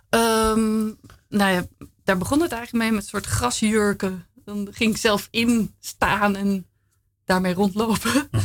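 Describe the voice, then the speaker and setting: A woman speaks very slowly at a medium pitch, with ordinary pitch variation. The recording is very clean, with a silent background. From Netherlands, partly raised abroad speaking English and Italian. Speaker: artist. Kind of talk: radio interview. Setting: radio studio. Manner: halting, many fillers.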